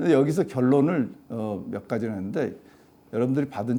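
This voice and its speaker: A man with a dark, mellow tone and medium pitch speaks at a moderate pace, his intonation lively. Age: 60s. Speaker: neurologist, retired professor. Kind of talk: lecture. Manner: halting.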